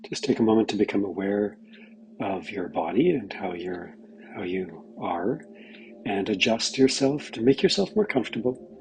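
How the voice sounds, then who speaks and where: A man leading a Christian guided meditation in a gentle, unhurried way, often pausing mid-phrase. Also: lowish voice, animated, slight background noise, rough recording. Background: background music.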